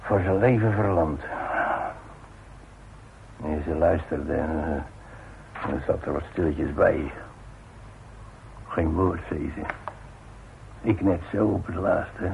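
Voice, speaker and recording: An actor playing a gruff, stubborn older father in a radio play, halting and musing as he talks. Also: low voice, full character voice. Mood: rueful, reflective. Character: gruff, stubborn old working-class father, retired workman. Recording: muffled narrow-band old radio recording with hiss.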